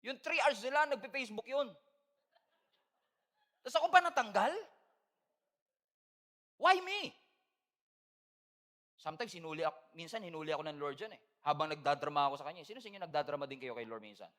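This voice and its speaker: A man preaching a sermon as a pastor, swinging between loud emphatic passages and soft confiding ones. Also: sits high, sing-song, fairly quick, long pauses. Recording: long hall reverb.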